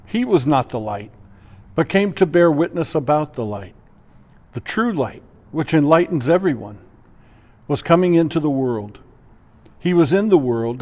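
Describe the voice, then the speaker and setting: A male pastor reads scripture in a solemn, measured way, with long reverb around his voice. His tone is mellow and relaxed, pitched a little high for a man. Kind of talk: formal scripture reading.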